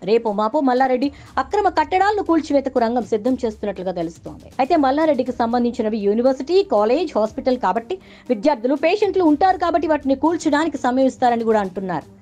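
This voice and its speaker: A woman's voice: high voice, expressive, racing, dark tone. A woman reading a scripted news voice-over as narrator. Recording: dull lo-fi audio under music. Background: background music bed.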